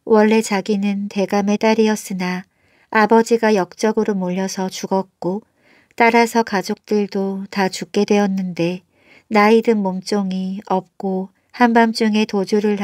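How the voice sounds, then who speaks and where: A woman's voice: medium pitch, darkish tone, no echo, clean studio sound. A woman reading a scripted folktale as a bedtime storyteller.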